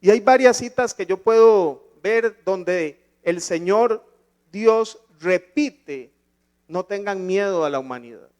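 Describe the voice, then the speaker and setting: High pitched guy preaching in church, lots of rhetorical questions, punchy emphatic bits. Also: animated, takes it slowly, darkish tone. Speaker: pastor. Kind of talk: sermon.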